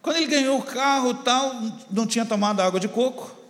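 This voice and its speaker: A pastor telling a story in a sermon, acting out the voices and building up to shouts. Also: male voice, extremely high pitch, fast. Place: church. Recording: long church reverb.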